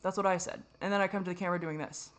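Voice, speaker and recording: Woman vlogger, lowish voice, raw confessional to-camera ramble, curses a lot, trips over her own sentences. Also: steady tone, rapid-fire. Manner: rambling, self-critical, profane, frequent restarts.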